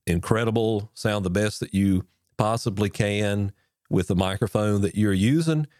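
A man with a congested, nasal voice hosts his own instructional podcast, sitting right up on a broadcast microphone. His voice is low and set in a dry, dead room. He talks in an earnest, encouraging way, with plenty of casual fillers. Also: a little mellow, dry recording. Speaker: pastor and podcast host. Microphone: dynamic broadcast mic, close.

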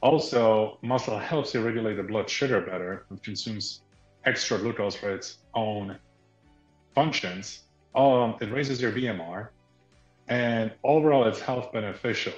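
Low-voiced man, roomy sound. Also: muffled recording, faint music behind. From Slovakia. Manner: measured, explanatory, often slows to stress key points. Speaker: guest, fitness product founder. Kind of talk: explanatory interview answers.

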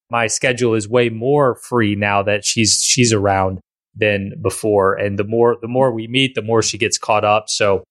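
A man's voice: on the low side, fairly bright tone, dry recording, clean studio sound. A man hosting a podcast in casual conversation, rambling with frequent restarts and repeated words. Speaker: podcast host.

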